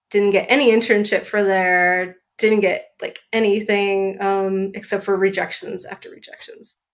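In a Californian accent, a woman talks at a moderate pace and a medium pitch with hardly any pauses, fairly even intonation and big swings in loudness. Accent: Californian American. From Southern California. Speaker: illustrator and graphic designer. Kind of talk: casual chat.

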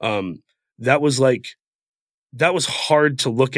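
Recorded very cleanly against a silent background, a man speaks with ordinary pitch variation in a dry, close sound with no echo. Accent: American. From US Midwest. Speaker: actor. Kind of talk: interview. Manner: self-deprecating and jokey; casual and informal.

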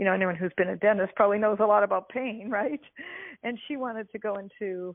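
A woman with an American accent talks at a fairly quick pace in an ordinary speaking voice of medium pitch. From US Midwest, Detroit, Michigan. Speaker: publicity consultant and speaker. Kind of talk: interview.

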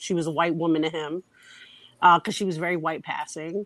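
A woman's fairly low pitch and fairly even intonation in an ordinary speaking voice, with a very clean recording and a silent background. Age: young. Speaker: community group member. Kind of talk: casual chat.

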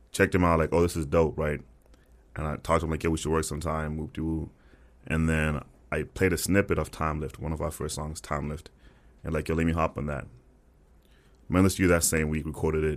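Very deep and low in pitch, a man talks at a very fast pace with long, frequent pauses and a monotone, flat intonation, in a very clean recording with a silent background. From Botswana. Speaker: musician. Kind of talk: casual chat.

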